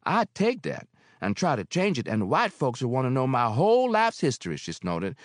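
Male narrator doing an older motherly landlady for an audiobook, scolding and warmly bossy, lively sing-song lines, dry studio. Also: medium pitch, normal speed, dry recording, pitched above the performer's own voice. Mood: indignant. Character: older motherly landlady, gruff but kind-hearted. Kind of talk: audiobook character voice.

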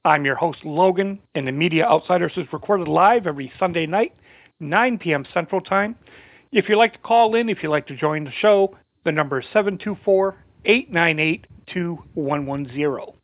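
Male show host, hoarse, rambling, tinny phone-like sound. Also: fairly high pitch, moderate pace, no room sound. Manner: chatty, rambling with restarts. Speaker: podcast host. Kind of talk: casual talk show hosting.

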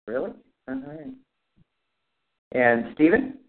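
A man leading a spiritual class on a conference call, calling the roll and guiding a prayer in an unhurried, plain-spoken way. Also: high voice, wildly swooping pitch, creaky. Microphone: phone call. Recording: tinny phone line.

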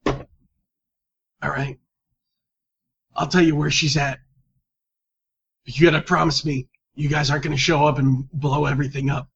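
A man's voice: a little high, flat delivery, normal speed, pauses often, fairly bright tone, breathy edge, dull audio, heavily acted. A man voicing a wary, street-smart male agent in a tabletop game, cagey in casual tough talk.

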